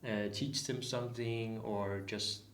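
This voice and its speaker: A man's voice: fairly low pitch, level tone, slow, slight background noise. A man of twenty, a volunteer guest on a podcast, rambling with many fillers. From Denmark. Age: 20s. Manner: rambling with "uh" and "like", restarts. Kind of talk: casual podcast chat. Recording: echoey room.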